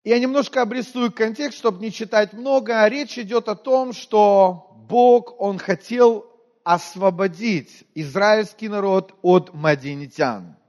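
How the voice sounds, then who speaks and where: A Moldovan man preaches a sermon conversationally in a high-pitched voice, a little slowly, often dropping to a quiet tone. He asks his listeners questions, and the recording has long hall reverb.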